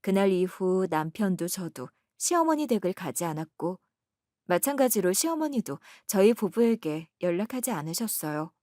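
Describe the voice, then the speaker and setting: A woman's voice: medium pitch, very animated, moderate pace, warm tone, no echo, studio quality. A woman telling a true-life family story in the first person, in scripted narration.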